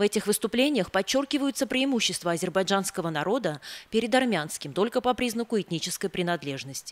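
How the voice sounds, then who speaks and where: Her pitch swinging very widely, a woman speaks at a very fast pace. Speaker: radio news presenter. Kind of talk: news reading. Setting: radio studio. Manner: formal. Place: studio.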